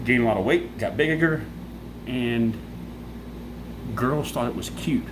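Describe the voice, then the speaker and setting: The voice is a man's, with an American accent. Noticeable background noise runs behind it. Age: 40s. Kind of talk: casual talk to camera.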